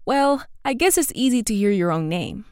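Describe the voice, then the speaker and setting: A woman's voice: on the high side, lively intonation, moderate pace, darkish tone, smooth, dry recording, clean studio sound, close to an everyday voice. A woman voicing a bold, self-assured schoolgirl with a breezy manner. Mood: offhand.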